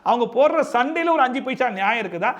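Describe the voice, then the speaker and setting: A man reviewing a reality show in fast, opinionated commentary, sarcastic and animated, full of rhetorical questions. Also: extremely high pitch.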